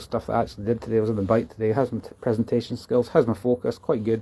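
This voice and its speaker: Here a man speaks with a Scottish accent. His pitch is medium. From Scotland. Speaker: amateur cyclist and vlogger. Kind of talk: casual monologue vlog. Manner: rambling, halting with many restarts.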